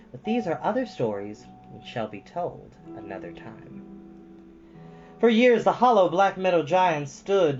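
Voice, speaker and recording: A man reading a storybook aloud as host, with expressive, deliberately stressed phrasing. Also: a little high. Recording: dull lo-fi sound with music behind.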